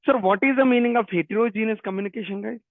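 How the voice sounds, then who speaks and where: High-pitched Telugu-accented man teaching, phone-like sound. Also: rapid-fire, no room sound. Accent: Telugu Indian English. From Telangana, India. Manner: repeats phrases and questions, often addressing students. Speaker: programming instructor. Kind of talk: interactive online technical lecture. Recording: narrow phone-like line.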